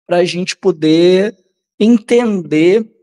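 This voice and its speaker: A Brazilian man hosting political commentary, reading aloud and commenting in a halting, conversational way that often seeks the listener's agreement. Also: high-pitched, dark tone. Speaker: host of a political commentary channel.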